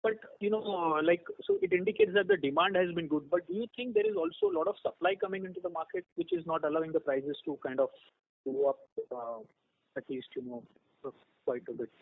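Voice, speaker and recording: Analyst guy on a phone line, high lively voice with gravel in it, polite, keeps saying sir, tinny. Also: fairly quick, no echo. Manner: polite, deferential, addresses executives as sir. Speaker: financial analyst asking questions. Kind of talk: earnings call question.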